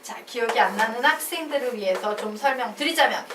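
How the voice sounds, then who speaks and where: A woman's voice: a little high, animated, fairly quick, noisy background. A woman math teacher giving a classroom lecture, drilling students with call-and-response questions. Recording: echoey classroom, mic at a distance.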